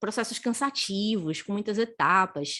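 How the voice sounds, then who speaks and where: A woman speaks in an animated tone at a moderate pace, with ordinary pitch variation. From Brazil, Pernambuco. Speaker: career consultant. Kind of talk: live webinar talk. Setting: live stream.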